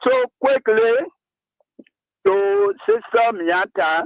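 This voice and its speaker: A man talks at a very slow pace. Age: 70s. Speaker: retired military officer. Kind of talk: radio interview.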